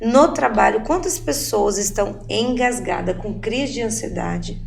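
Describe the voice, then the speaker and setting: A woman's voice: a little high, measured pace, creaky, slight background noise. A woman hosting a podcast interview, chatting casually and building on her guest's points. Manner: agreeing and adding to the guest's points. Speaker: podcast host.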